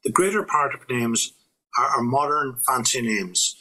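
An older Irish man speaks to a webcam in a small curtained room, giving a talk on local history. His tone is bright and clear. He pauses often and restarts his sentences in a thoughtful, unhurried way. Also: medium pitch, lively intonation, low-quality recording. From Ireland. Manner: reflective, hesitant with frequent fillers and restarts. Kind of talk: recorded talk to camera.

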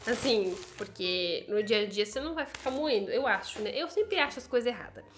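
Testing kitchen gadgets at home, a Brazilian woman jokes and chats with her viewers in a casual product-testing video. She speaks briskly with lively intonation in a fairly high voice, her Brazilian Portuguese accent clear, and the room sounds roomy with slight background noise.

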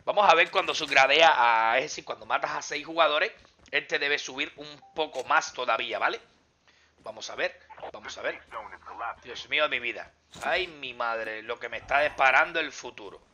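A man giving excited, exclamatory commentary over his mobile game, talking to viewers and to enemies as he plays. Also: mid-range voice, normal speed, a little hiss or hum. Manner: exclamatory, talks to viewers and enemies while playing.

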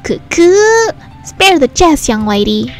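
A woman's voice: high voice, sing-song, slow, soft background music, voice pushed up, exaggerated voice. A woman voicing a hyper, indignant male pigeon in a visual novel, declaiming bombastically in the third person between coos. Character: hyper, melodramatic male fantail pigeon, indignant about pudding.

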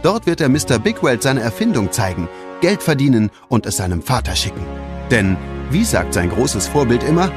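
Male narrator, children's audio story, very lively intonation, clear music bed. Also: medium pitch, normal speed.

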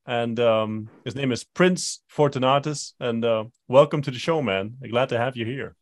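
A man's voice: mid-range voice, moderate pace, no echo. A man hosts a casual interview from a home studio. His voice sits dry and close on a studio mic. He talks loosely, stumbling and restarting as he goes. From Netherlands. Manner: loose, hesitant, many likes and restarts. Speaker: podcast host. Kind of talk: casual video call interview. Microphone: studio mic on boom.

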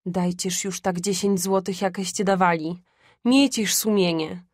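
A woman voicing a sick, desperate poor mother who trembles with anger and tires quickly. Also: fairly low pitch, steady tone, no echo, clean studio sound. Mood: pleading. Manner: trembling with anger, then faint and exhausted.

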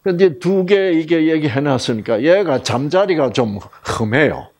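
In an unhurried manner, a middle-aged man whose voice sits on the high side recounts a personal story during a health lecture. He brings it to life by acting out each quoted voice.

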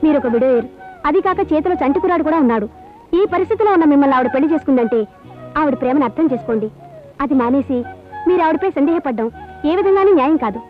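A woman's voice: sits high, expressive, very fast. A woman playing an outspoken young teacher in dubbed film dialogue, blunt and lecturing with adults and coaxing with a crying baby. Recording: dull lo-fi film soundtrack with music.

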